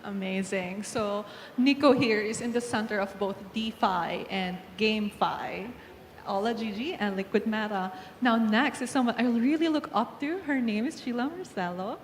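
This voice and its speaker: A woman's voice: medium pitch, moderate pace, slight background noise. A woman from the Philippines moderating a live panel on stage, upbeat and welcoming. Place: large event hall on stage. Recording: long hall reverb, faint crowd ambience.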